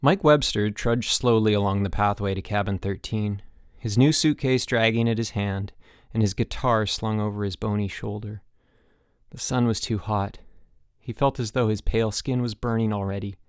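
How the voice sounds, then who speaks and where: A man's voice: lowish voice, fairly even intonation, moderate pace, clear, resonant tone, dry recording, clean studio sound. A man narrating fiction as a scripted audiobook reading.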